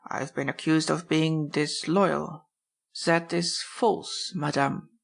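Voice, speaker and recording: A woman voicing a formal, courtly German baron in an audiobook, speaking with slow deliberation. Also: low voice, fairly even intonation, creaky, full character voice. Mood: solemn, courtly. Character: Trent posing as a formal, solemn German baron.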